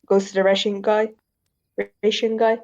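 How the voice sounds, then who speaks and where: A woman's voice: mid-range voice, flat delivery, a little mellow, lo-fi sound. A woman describing her character's actions, hesitant with fillers. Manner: slow, hesitant. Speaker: player. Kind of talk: casual game chat.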